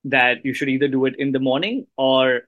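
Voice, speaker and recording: A man's voice: mid-range voice, fairly even intonation, a little fast, dry recording, phone-quality sound. A man hosting a casual interview, talking in an agreeable, explanatory way. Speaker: podcast host, interviewer.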